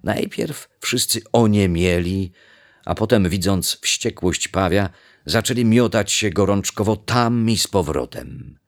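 A man reading a children's story aloud, expressive and unhurried. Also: lowish voice. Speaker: storybook reader.

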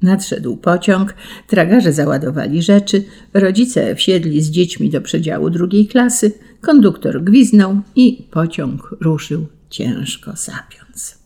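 A narrator reading an old children's story aloud in a gentle, expressive way. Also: medium pitch, a little slow, gravelly, husky.

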